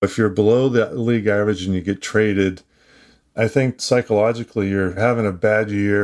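In a normal speaking voice, a man talks at a moderate pace with fairly low pitch and fairly even intonation. The recording is very clean, with a silent background. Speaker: former baseball player. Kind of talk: interview.

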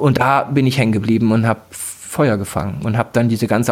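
A man's voice, with ordinary pitch variation, is heard over noticeable background noise. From eastern Germany, Leipzig. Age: 40s. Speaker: actor and performance coach. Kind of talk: casual chat. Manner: halting.

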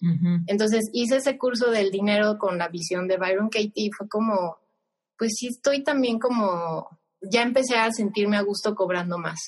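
A moderate tempo and ordinary pitch variation, with a somewhat breathy quality. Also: woman, medium pitch for a woman. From Mexico. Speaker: psychologist. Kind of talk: interview.

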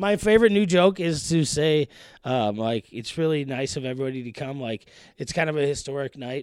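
A man with an American accent speaks in a normal speaking voice at medium pitch, with ordinary pitch variation and a fairly quick pace. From Minnesota. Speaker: comedian. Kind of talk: casual chat.

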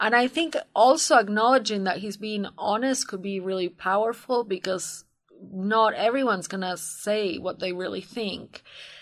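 A woman speaks at a medium pitch with a strong Argentine accent. The recording is very clean, with a silent background. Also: ordinary pitch variation, moderate pace. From Argentina, Buenos Aires. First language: Spanish. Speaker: podcast co-host's mother, former sex educator. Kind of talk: casual chat. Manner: animated.

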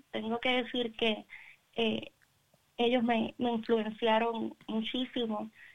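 The speaker's intonation is fairly even. The pace is very slow. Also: woman. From Puerto Rico. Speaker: singer and teacher. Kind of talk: interview. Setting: phone call.

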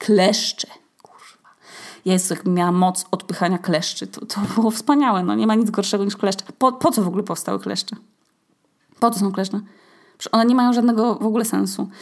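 Her medium pitch varies in an ordinary way as the woman talks fairly quickly. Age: 20s. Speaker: podcaster. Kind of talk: casual monologue. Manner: animated.

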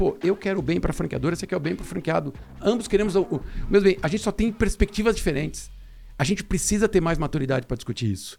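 A man's high-pitched voice with lively intonation at a very fast pace. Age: 50s. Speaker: franchise consultant. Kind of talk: podcast interview.

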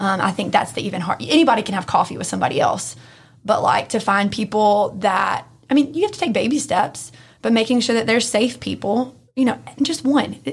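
Vocal fry marks this woman's voice. Her intonation is lively. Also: fairly high pitch for a woman, fairly quick pace. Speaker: podcast guest. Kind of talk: casual chat.

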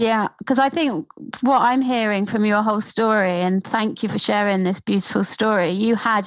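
A woman speaks in an unremarkable speaking voice at a medium pitch. The sound is dry and close with no echo, over a quiet background. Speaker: life coach, podcast co-host. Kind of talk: podcast interview.

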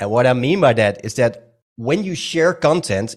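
A man talks with a Dutch accent at a medium pitch. His pitch swings very widely. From Netherlands. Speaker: LinkedIn and sales consultant. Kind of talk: podcast interview.

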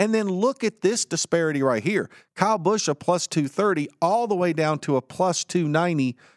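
Recorded very cleanly with a silent background and a dry, close sound with no echo, the speaker talks with a Southern US accent at a moderate pace and lively intonation. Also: man. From US South. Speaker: motorsport betting podcast co-host. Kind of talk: casual sports chat.

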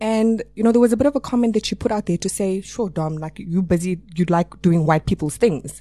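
A woman speaks with a dark, mellow tone, lively intonation and a somewhat breathy quality. The sound is dry and close, with no echo. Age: 30s. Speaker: podcast co-host and corporate trainer. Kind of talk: casual chat. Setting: studio.

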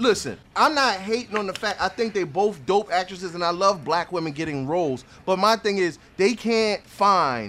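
A high-pitched man with an American accent, a bright, sharp tone, and lively intonation. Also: very clean recording, silent background. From Philadelphia area, US. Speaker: podcast guest. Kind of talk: casual chat. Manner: animated.

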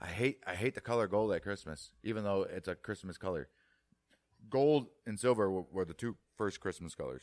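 A man speaks in an unremarkable speaking voice with a fairly low pitch and a fairly quick pace. The recording is very clean, with a silent background. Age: 30s. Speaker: podcast host. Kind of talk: casual chat. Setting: studio.

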